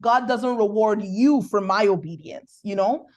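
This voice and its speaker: Nigerian woman coaching with preacherly energy. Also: mid-range voice. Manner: animated, preacherly, bursts of quick speech. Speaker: business coach, podcast guest. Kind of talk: faith-based coaching conversation.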